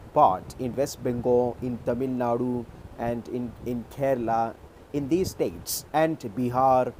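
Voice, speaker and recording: A man from Maharashtra with an Indian accent, a native Urdu speaker, tutoring English on a video call in a measured, explanatory way. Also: mid-range voice, a little mellow, slight background noise, low-quality recording. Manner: measured, explanatory, checks in with "okay". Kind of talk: conversation practice on a video call.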